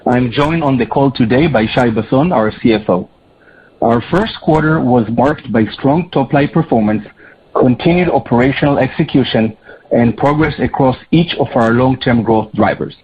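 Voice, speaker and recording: A man speaking as a chief executive, reading prepared earnings remarks in a formal, measured business manner. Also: medium pitch, slight background noise. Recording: slightly dull, lo-fi conference call audio.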